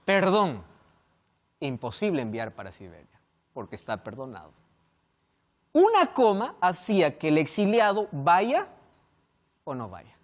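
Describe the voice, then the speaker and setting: A man preaching a sermon, asking rhetorical questions and swinging from loud emphasis to hushed endings. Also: high-pitched.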